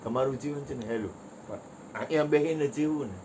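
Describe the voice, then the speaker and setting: A man's voice: medium pitch, fast talker, a little hiss or hum. A man giving a devotional satsang talk in a folksy, conversational way, joking with his listeners. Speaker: satsang speaker.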